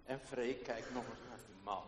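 A man reading a children's story aloud in a lively, expressive storytelling manner. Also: mid-range voice, normal speed. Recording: reverberant room with faint noise.

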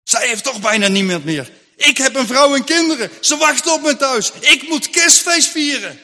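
Man doing an anguished farmer dad begging for help: high, bright, strained voice, long hall echo. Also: normal speed. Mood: desperate. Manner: pleading, anguished. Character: desperate farmer father, terrified, praying.

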